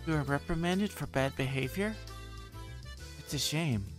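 A man's voice: on the high side, measured pace, music in the background, pitched above the performer's own voice, lightly acted. A man voicing a haughty schoolgirl in a visual novel, scolding with prim mock politeness.

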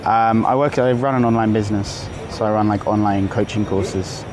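A man's voice: on the low side, moderate pace. A man in his twenties, a dating coach, talking casually and playfully on a busy city street. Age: 20s. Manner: relaxed, chatty and playful. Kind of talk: street approach vlog with commentary. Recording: traffic noise on a city street.

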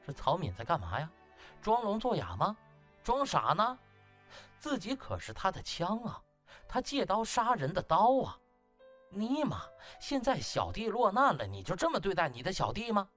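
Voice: medium pitch, huge pitch swings, normal speed, fairly bright tone, faint music behind, voice pushed up. A narrator voicing an indignant, sarcastic young male underling in a scornful, slangy audiobook rant. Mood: scornful outrage.

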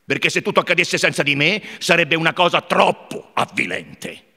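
A man voicing an impassioned, brooding young man in a theatrical literary reading, declaiming fervently from hushed tones to shouts. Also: fairly high pitch, sing-song, normal speed, creaky, slightly rough, exaggerated voice. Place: theatre stage before an audience. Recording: long hall reverb.

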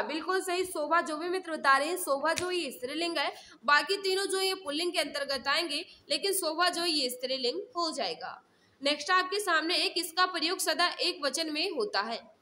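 A woman's voice: high voice, pushed and bright. A woman teaching an online exam class, reading out questions and explaining answers, repeating key phrases for her viewers. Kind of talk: live mock-test lesson, reading questions and explaining answers.

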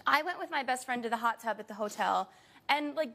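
Defensive high-voiced woman on a court set. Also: expressive, a little fast, gravelly, sharp tone. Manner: defensive, dismissive, addresses the judge often. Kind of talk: courtroom testimony. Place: TV courtroom set with seated audience.

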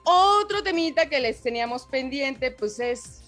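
A woman's voice: sits high, animated, unhurried, over loud music. A woman with a Mexican accent co-hosting a casual talk show, gossiping in slang and calling her listeners brothers. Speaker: co-host. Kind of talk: casual political gossip chat.

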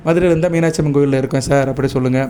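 A man with a Tamil accent giving devotional advice to viewers, measured and instructive, stopping often to check that listeners follow. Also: medium pitch, slight background noise. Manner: chants mantras and praise lists in a steady recitation. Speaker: astrologer.

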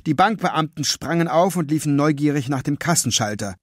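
A man narrates a children's novel with an expressive, animated reading. His voice sits a little high and swings widely in pitch. The recording is close and very dry. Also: brisk, no echo. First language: German. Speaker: audiobook reader. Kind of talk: scripted storybook narration.

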